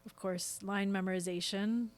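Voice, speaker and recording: She speaks at a steady medium pitch and normal speed, a middle-aged stage actor being interviewed as a podcast guest. Her manner is earnest and conversational as she explains things.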